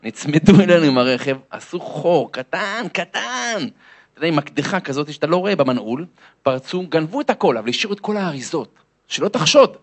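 A man's voice: a little high, lively intonation. A man, a lecturer, telling a comic story to an audience and acting out the voices and sounds in it.

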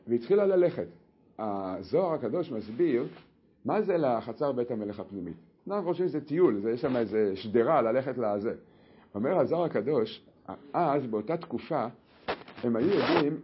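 Husky man teaching a Torah lesson. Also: mid-range voice, highs cut off. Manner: animated storytelling with many restarts. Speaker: religious teacher.

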